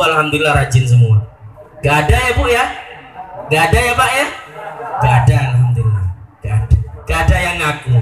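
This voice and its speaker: High-voiced animated male preacher, echoey PA. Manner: animated, acts out voices, chants takbir, asks audience questions. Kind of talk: lively village sermon with storytelling. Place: outdoor religious gathering with PA speakers. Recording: echoey PA sound from far off, faint music.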